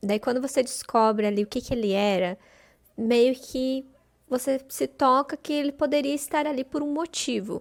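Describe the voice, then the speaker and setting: A soft-spoken woman with a high pitch and ordinary pitch variation talks at a moderate pace in a very clean recording with a silent background and a dry, close sound with no echo. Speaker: book vlogger. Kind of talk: casual vlog talk. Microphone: holding the microphone close.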